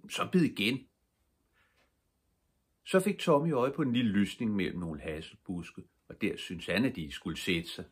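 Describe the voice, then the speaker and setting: An older man reading a children's book aloud as a calm, steady bedtime story. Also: low voice, hardly any pauses, slightly rough. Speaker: storybook reader.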